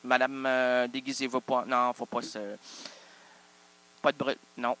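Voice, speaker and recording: A man's voice: mid-range voice, little pitch movement, unhurried, sharp tone. A man, hosting an improvised solo comedy show full of absurd, self-interrupting wordplay. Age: 30s. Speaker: host.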